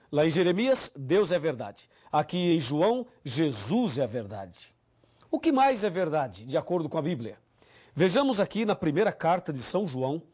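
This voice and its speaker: Brazilian male pastor with a slightly high voice, measured Bible study teaching to camera, reads verses slowly and asks the viewer questions. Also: darkish tone. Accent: Brazilian Portuguese. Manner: measured teaching, slow scripture reading, direct questions to the viewer. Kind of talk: recorded Bible study lesson.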